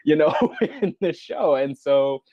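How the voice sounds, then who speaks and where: A man with a fairly high voice talks casually as a panelist. He tells his stories in an animated, self-mocking way. The sound is dry and slightly dull, like a lo-fi call. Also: a little slow, dry recording. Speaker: panelist, podcast creator. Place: remote online panel call.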